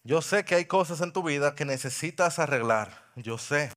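Male pastor, sermon, high-pitched, sharp bright tone, impassioned, loud to hushed. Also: animated, moderate pace. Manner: impassioned, swings from loud cries to hushed pleading. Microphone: microphone.

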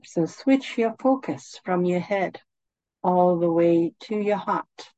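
Slow, calm woman guiding meditation. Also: fairly low pitch, dry recording, dull audio. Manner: calm, soothing, gently instructing. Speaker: meditation guide, host. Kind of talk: guided meditation.

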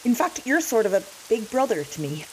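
A woman's voice: on the high side, sing-song, a little fast, a little mellow, slight background noise, poor audio. A woman playing a cheeky, evasive time traveller in an audio comedy, flippant, colloquial and breezily blunt. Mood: breezy. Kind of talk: comedy audio drama acting.

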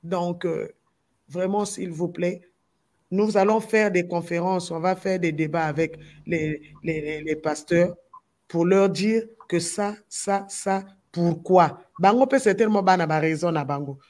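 A woman's voice: lowish voice, measured pace, darkish tone. Woman, Congolese French accent, gospel musician, emphatic, repeats phrases, talk-show discussion. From Democratic Republic of the Congo.

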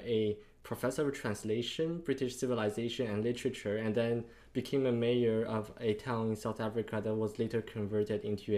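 A man hosting a podcast, asking polite, somewhat halting interview questions. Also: mid-range voice, warm tone. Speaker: podcast host.

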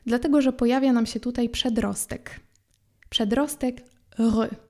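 Mellow-voiced Polish-speaking woman teaching French. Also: fairly high pitch, fairly even intonation. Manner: clear and explanatory, spells out letters slowly. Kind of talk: podcast language lesson.

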